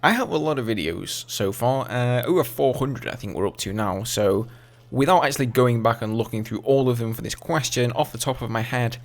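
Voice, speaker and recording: A man in his twenties with an English accent, casually answering viewer questions over gameplay footage in a relaxed, chatty way. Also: mid-range voice, fairly quick, vocal fry. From England. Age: 20s. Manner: chatty, relaxed, with fillers and asides. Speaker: gaming YouTuber.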